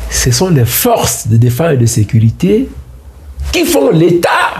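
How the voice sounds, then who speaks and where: A man speaks at a very slow pace with very even loudness. There is noticeable background noise. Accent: Central African. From Africa. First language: Bangu (speaking French). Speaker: law professor. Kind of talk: interview.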